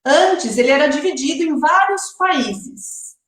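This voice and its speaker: A woman's voice: high voice, expressive, unhurried, a bit bright, roomy sound. A woman hosting a live online interview series, chatty and often adding tag questions. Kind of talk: casual live-stream hosting.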